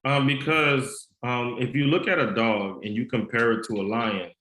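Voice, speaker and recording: A man with a slight Haitian Creole accent, a guest author and mentor telling his story in an earnest, measured way in a podcast interview. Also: mid-range voice, steady tone, pushed and bright. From United States. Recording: roomy echo.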